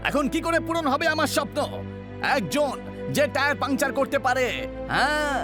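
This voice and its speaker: A man's voice: very high voice, normal speed. A man voicing an anxious, self-doubting cartoon racer who frets and questions in a worried manner. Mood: exasperated, worried. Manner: worried, questioning, repeats himself. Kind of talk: cartoon dub acting. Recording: loud music behind the voice.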